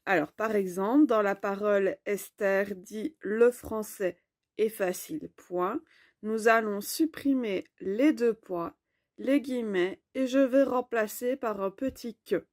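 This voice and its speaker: Slow, patient woman teaching grammar. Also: medium pitch, a little mellow, dry recording, studio quality. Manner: slow, clear, explanatory. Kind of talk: online grammar lesson.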